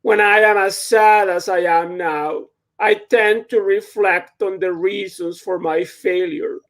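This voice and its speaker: Mexican-accented man reading slowly. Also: high-pitched, fairly even intonation, a bit bright. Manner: casual, self-deprecating introduction. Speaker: author reading his novel. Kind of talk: reading fiction aloud. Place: home room with bookshelves. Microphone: video call webcam.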